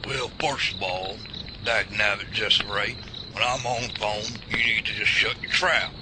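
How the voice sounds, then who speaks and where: A man's voice: fairly low pitch, steady tone, a little slow. A man voicing an older backwoods man with a drawl and old-timer slang, in an amateur radio drama. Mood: grumbling. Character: older rural backwoods man Mister Jessup. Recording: loud outdoor noise, crickets.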